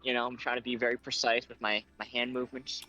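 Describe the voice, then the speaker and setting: A man's voice: mid-range voice, little pitch movement, fast talker, sharp tone, faint music behind. A man playing a tabletop game, talking casually with lots of stammering and hesitation. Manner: hesitant, stammering, self-mocking. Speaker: player.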